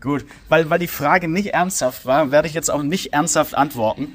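A man's voice: a little high, normal speed, crowd noise. Man, podcast co-host, rambling casual storyteller, filler-heavy. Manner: rambling, many fillers, laughs easily. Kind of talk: casual chat.

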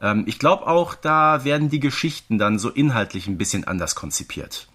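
A man's voice: mid-range voice, lively intonation, normal speed, a bit bright. A man co-hosting a podcast, explaining things in a casual, conversational way with tag questions. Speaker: podcast co-host. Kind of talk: casual fan podcast chat.

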